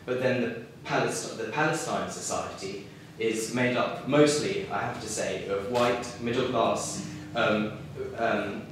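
A man's voice: lowish voice, measured pace, few pauses. Hesitant young man in an echoey hall. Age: young adult. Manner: hesitant, many ums, earnest. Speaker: university student asking a question. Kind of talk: audience question at a debate. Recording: echoey hall, distant mic, faint noise.

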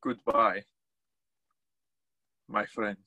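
An actor playing a loyal, grave friend, solemn and measured, in a staged reading over a video call. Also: male voice, on the low side, little pitch movement, bright, forceful tone, no echo, exaggerated voice. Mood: solemn, concerned. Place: indoor room, video call.

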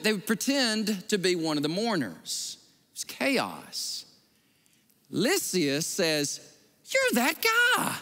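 A man, preaching a sermon as pastor in a large church, telling stories and acting out the voices of the people in them. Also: high-pitched. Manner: animated storytelling, acting out quoted voices. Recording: long hall reverb.

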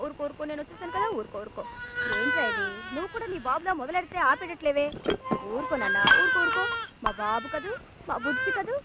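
A woman's voice: high voice, very noisy. A woman playing an outspoken young teacher in dubbed film dialogue, blunt and lecturing with adults and coaxing with a crying baby. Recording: dull lo-fi film soundtrack with music.

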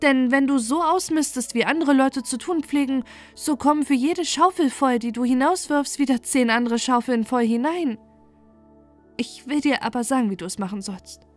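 A woman's voice: high-pitched, moderate pace, faint music behind, pitched above the performer's own voice, lightly acted. A woman voicing a kind, worried young princess in a fairy tale, urgent and earnest as she gives advice.

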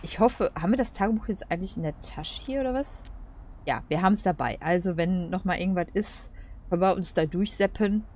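A woman's voice: lowish voice, a little fast, darkish tone, slight background noise. A woman giving casual gameplay commentary in a rambling, colloquial, hesitant way. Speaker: let's play host.

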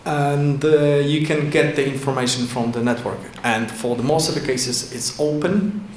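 Standing at a podium in a big indoor conference hall, a man presents slides through a lectern mic. His non-native English halts often, with many fillers and restarts, in a mid-range voice with fairly even intonation; the recording is echoey with faint ambience and a little hiss or hum.

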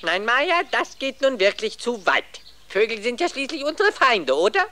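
A woman's voice: fairly high pitch, sing-song, normal speed, sharp tone, a little hiss or hum. A woman voicing a fussy, timid male drone bee in a cartoon, fretting and scolding. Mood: fretful. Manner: fretful, scolding, chatty. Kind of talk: cartoon voice acting.

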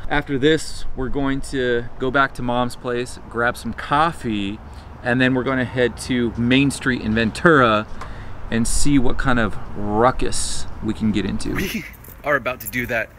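A man's voice: medium pitch, a bit bright, a little hiss or hum. A man in his thirties with an American accent, chatting casually to a camera as he vlogs. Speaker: vlogger. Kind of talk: casual vlog chat. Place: car, waterfront and streets outdoors. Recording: music behind the voice.

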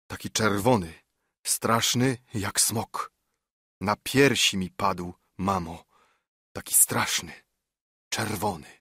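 Scared young lad, halting and husky, louder in bursts, read by a male narrator. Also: fairly low pitch, dry recording, studio quality, full character voice. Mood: frightened. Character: frightened young working lad, shaken and earnest.

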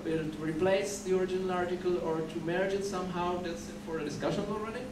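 A young Czech man, a native Czech speaker, gives a conference presentation at a podium in a dim lecture hall, talking fast in a high-pitched voice with fairly even intonation. He often repeats words and restarts as he explains. The podium mic is heard via a distant camera, so the recording is echoey and noisy.

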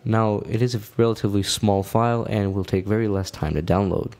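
A man with a fairly low voice hosts a tech tutorial. He explains things step by step in casual, informal language, as someone guiding viewers through a how-to. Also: steady tone, brisk, a little mellow.

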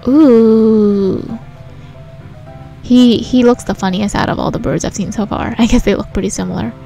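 A woman's voice: medium pitch, moderate pace, vocal fry, dark tone. A woman hosting a let's play, reading a visual novel aloud and adding casual commentary. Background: game music.

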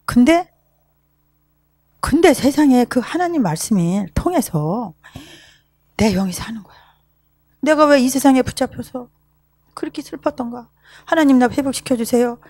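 A woman in her sixties giving a personal recovery testimony to a group, telling her story in an emotional, animated way. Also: high-pitched, a little slow, pauses often, dry recording, clean studio sound. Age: 60s. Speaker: program participant giving a testimony.

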